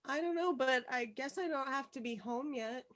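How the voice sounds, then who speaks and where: A woman reading the part of an awkward, anxious but stubborn young teenage schoolgirl in a screenplay table read, halting and apologetic. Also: sits high, lightly acted. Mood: nervous, meek.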